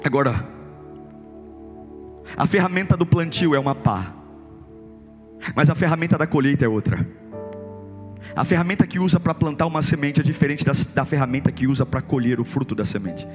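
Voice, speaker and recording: A man with a Brazilian Portuguese accent preaching an impassioned sermon as a pastor, repeating phrases and rising to shouts. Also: fairly high pitch, lively intonation, normal speed, pauses often. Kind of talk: fervent sermon. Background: worship music.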